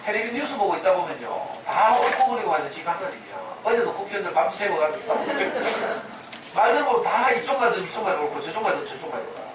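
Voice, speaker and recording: A man's voice: sits high, expressive, fast. A man giving a parenting lecture in a conversational way, full of rhetorical questions and acted-out quotes. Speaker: lecturer in a parenting humanities class. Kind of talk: lecture with sermon-like storytelling. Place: lecture room. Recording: echoey room from a distance, noisy.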